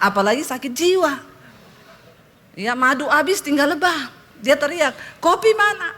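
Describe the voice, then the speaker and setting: A middle-aged woman pastor telling a humorous testimony in a sermon, lively and joking, with acted-out quotes, on a church stage. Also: sits high.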